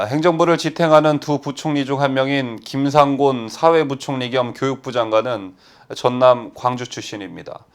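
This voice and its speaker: A middle-aged man reading political news commentary at a steady pace, often opening sentences with "ah". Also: mid-range voice, clear, resonant tone. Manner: steady reading with frequent "ah" fillers.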